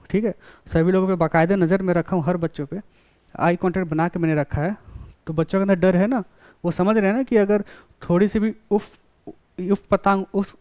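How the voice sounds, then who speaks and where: A man's voice: high voice, a little mellow, clear, resonant tone, no room sound. A man giving a college lecture, explaining with classroom examples and often checking that students follow.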